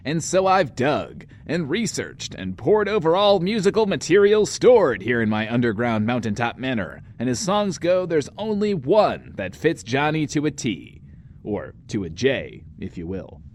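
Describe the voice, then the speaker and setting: Animated, wry bunker radio DJ. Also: male voice, medium pitch, measured pace. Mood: jaunty, showy. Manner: hesitant stammers, theatrical wordplay. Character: flamboyant, wry male bunker radio DJ, self-important joker. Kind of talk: in-world radio show host in an audio drama.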